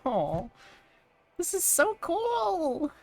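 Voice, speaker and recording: A woman voicing an excitable, starstruck, cute visual novel character who gushes in exclamations. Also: very high voice, extremely slow, faint music behind, voice pushed up, exaggerated voice. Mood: delighted, gushing. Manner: gushing, exclamatory.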